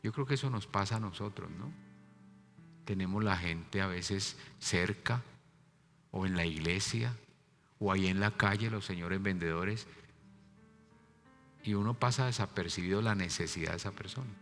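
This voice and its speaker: A man preaching a sermon as pastor, emphatic and repeating key words, with his voice moving between loud and soft. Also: low-pitched, moderate pace, pauses often. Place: church sanctuary. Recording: reverberant church hall with faint music.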